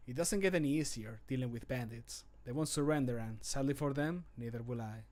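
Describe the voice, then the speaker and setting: A man's voice: mid-range voice, darkish tone, close to an everyday voice. Man acting a solemn, resolute fantasy adventurer. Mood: grimly resolute. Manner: measured, solemn, falling phrase endings. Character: grim, resolute male fantasy adventurer who fights bandits. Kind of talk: scripted video game voice line. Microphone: close studio microphone.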